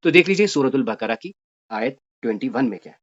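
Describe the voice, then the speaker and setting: A man teaching a Quranic Arabic grammar lesson. He recites verses slowly and then explains them briskly. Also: mid-range voice, expressive, lo-fi sound.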